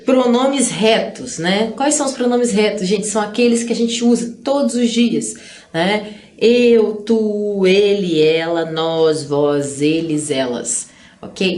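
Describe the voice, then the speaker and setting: A woman's voice: on the low side, darkish tone, echoey room. A woman with a Brazilian Portuguese accent teaching a recorded grammar lesson, explaining step by step and checking in with the class through frequent tag questions.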